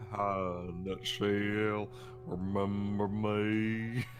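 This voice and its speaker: A man in a put-on character voice, fairly low in pitch, with clear background noise. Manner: mock-sinister.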